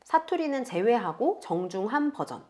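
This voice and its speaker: Woman, online instructor, friendly, patient, step-by-step, animated pitch. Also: normal speed, slight background noise. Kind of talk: screen-recorded tutorial narration.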